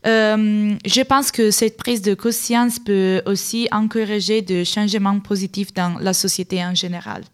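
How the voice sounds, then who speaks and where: Italian woman from turin on radio panel, lots of euhs, halting. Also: medium pitch, steady tone, clear, resonant tone. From Turin, Italy. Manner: hesitant, frequent fillers.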